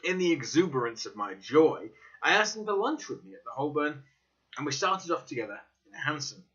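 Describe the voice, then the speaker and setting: A man giving a dramatic, scripted audiobook narration with theatrical, deliberate phrasing. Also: a little high, sing-song, fairly bright tone, lo-fi sound.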